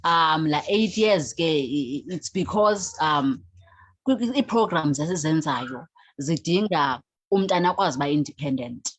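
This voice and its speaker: A woman's voice: low voice, animated, normal speed, slightly rough, no echo. A woman with a South African Xhosa accent speaking as an interview guest, switching between languages. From South Africa, Eastern Cape. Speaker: guest, founder of a youth organization. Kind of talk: interview talk, mixing languages.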